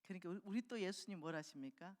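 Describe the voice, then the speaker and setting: A woman delivers a revival sermon, retelling a story and voicing its characters with animated energy. Her voice sits a little low, and it rings out with a long reverb across a church hall. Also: fast talker. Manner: animated storytelling, acting out quoted dialogue. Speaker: preacher. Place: church sanctuary.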